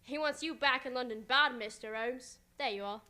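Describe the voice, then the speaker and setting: A garrulous, cheerfully boastful village busybody who delivers the post, acted by a woman for radio theatre. The voice is high and forcefully bright, with a folksy, cheeky delivery. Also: normal speed. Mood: cheerful, nosy. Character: chatty, nosy, cheerfully boastful village postwoman.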